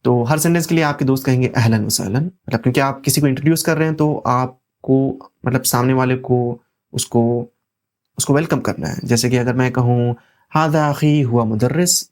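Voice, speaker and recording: A language teacher with a South Asian accent gives an instructional lesson, repeating phrases deliberately and translating them step by step. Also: medium pitch, darkish tone. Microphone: lavalier microphone.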